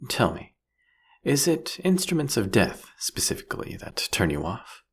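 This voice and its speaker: A man playing a seductive, mocking vampire king in a fantasy audio roleplay, with theatrical, teasing, eloquent delivery and a husky, gravelly voice. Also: mid-range voice, big pitch swings, normal speed.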